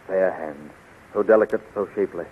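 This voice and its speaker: An actor playing a gallant, devoted hero prince in a 1930s radio serial, florid and declamatory. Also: male voice, deep voice, a little fast, narrow, tinny audio, natural voice. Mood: ardent, courtly. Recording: scratchy, thin 1930s radio recording.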